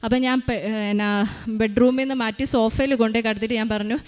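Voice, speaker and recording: Fast-talking woman telling a testimony. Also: fairly high pitch, steady tone, darkish tone. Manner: hurried, with frequent fillers and restarts. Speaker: mother giving a testimony. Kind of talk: personal testimony storytelling.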